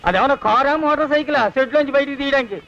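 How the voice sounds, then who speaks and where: A man's voice: very high-pitched, racing, pushed and bright, full character voice. An actor playing a cheeky village servant man who mocks his master in a sly, teasing way. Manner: sly, mocking. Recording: dull lo-fi film soundtrack.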